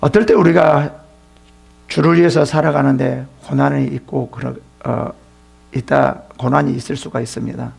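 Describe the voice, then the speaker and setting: A man's voice: mid-range voice, fairly even intonation, moderate pace, gravelly, darkish tone, slightly rough. A middle-aged male pastor who preaches a sermon emphatically and uses rhetorical questions.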